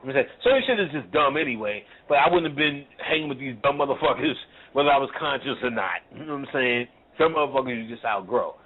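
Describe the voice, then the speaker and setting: A man's voice: mid-range voice, expressive, fast, few pauses. A man giving a casual spiritual talk to a caller, blunt and profane, in street slang, laughing often. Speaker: spiritual teacher. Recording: tinny phone-like audio.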